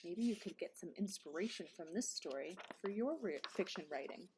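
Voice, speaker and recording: A woman reading a children's picture book aloud like a teacher, with dramatic emphasis and quieter explanatory asides. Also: lowish voice, expressive, moderate pace, a little hiss or hum. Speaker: read-aloud presenter, teacher. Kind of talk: expressive children's storybook narration with explanatory asides.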